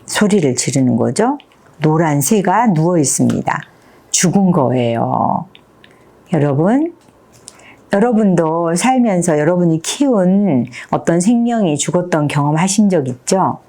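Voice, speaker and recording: A woman's voice: fairly low pitch, a little slow. A woman in her fifties, a teacher, talks through a picture book and keeps asking her listeners questions. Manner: animated storytelling, asks the audience questions. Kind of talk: picture-book talk to an audience.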